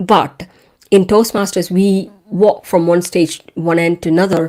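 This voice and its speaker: Speaking with a non-native accent, a woman talks at a fairly slow pace in a dark, mellow tone, medium in pitch with fairly even intonation. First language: not English. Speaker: public speaker. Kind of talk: casual talk to camera. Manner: hesitant, filler words.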